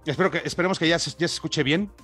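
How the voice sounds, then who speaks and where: A man with a Mexican accent co-hosting a casual talk show, rambling through gossip in slang with lots of filler pauses. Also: on the high side, a bit bright, soft background music. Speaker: co-host. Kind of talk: casual political gossip chat.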